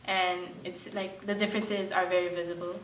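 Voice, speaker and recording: A woman's voice: fairly low pitch, level tone, normal speed. A young adult woman, a college student with a New York Latina accent, giving candid interview testimony. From New York, United States. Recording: roomy, distant mic, faint noise.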